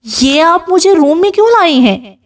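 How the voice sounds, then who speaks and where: A woman's voice: extremely high pitch, animated, recorded from a distance, pitched above the performer's own voice. A woman reading a novel aloud, voicing a timid, frightened young woman who pleads and protests. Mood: frightened, pleading. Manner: pleading, fearful.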